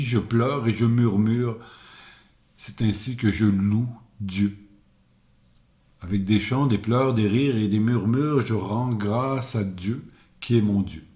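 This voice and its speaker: A man voicing an old male hermit saint in the forest, reading slowly and gravely. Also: mid-range voice, darkish tone, lightly acted. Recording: roomy echo.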